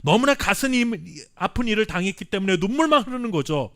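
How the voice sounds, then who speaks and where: A pastor gives his sermon in a high, animated voice that leaps up and down as he presses each point home. He preaches earnestly, slowing down for scripture and pausing for weight. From South Korea. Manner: earnest, emphatic preaching with dramatic pauses; reads scripture aloud slowly with the congregation.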